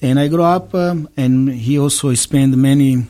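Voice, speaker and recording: Brazilian priest with halting English. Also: male voice, medium pitch, dark tone. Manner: chatty, joking, frequent hesitations. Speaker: Catholic priest. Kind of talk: interview, personal story.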